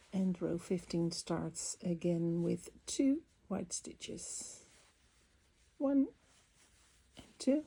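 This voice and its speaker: The speech comes at a very slow pace with long, frequent pauses and a relaxed tone. The voice is somewhat breathy and dark and mellow, with lively intonation. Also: woman, fairly low pitch for a woman. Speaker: crochet instructor. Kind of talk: tutorial. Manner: relaxed, counting stitches aloud.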